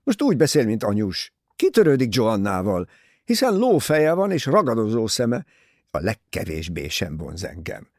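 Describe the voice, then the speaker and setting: A man reads an impulsive, self-mocking young man in an audiobook. His low, husky voice swings widely in pitch with restless energy, dry and close to the mic. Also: sing-song, darkish tone, dry recording, full character voice. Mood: heated.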